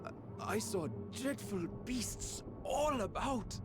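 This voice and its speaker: A man's voice: high voice, lively intonation. A man playing a humble, frightened fisherman in a video game, stammering and anxious. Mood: nervous, fearful. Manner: halting, stammering. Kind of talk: dramatic video game acting. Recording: music under the voice.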